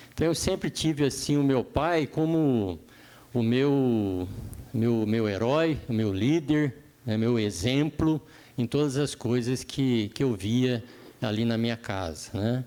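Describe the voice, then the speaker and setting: Speaking very slowly, a man with a dark, mellow tone uses lively intonation. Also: very even loudness. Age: 60s. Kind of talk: testimony. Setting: dinner event with audience. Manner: hesitant, many fillers.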